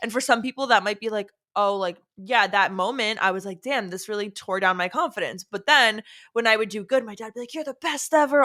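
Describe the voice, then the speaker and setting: A woman with a New Jersey accent talks at a very fast pace in a bright, sharp tone, with ordinary pitch variation and big swings in loudness. The recording is very clean, with a silent background. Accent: New Jersey American. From New Jersey, US. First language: Aramaic. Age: 20s. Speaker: podcast host, guest. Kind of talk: casual interview chat.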